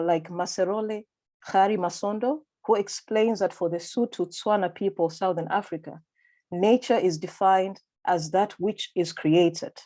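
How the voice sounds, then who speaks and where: A woman with a Malawian accent reading a prepared academic paper at a conference in a measured, formal and deliberate way over a video call. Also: mid-range voice, mellow. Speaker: conference speaker.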